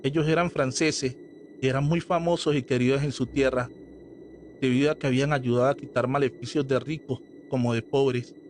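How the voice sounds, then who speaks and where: A man reading a scripted horror story aloud as narrator, in a slow, measured storytelling manner. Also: mid-range voice, fairly even intonation, a little hiss or hum. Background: faint background music.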